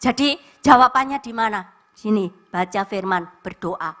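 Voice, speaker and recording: A woman's voice: mid-range voice, normal speed, fairly bright tone. A woman pastor preaching a sermon at a church service, earnest and rising to fervent exhortation, telling stories with quoted dialogue.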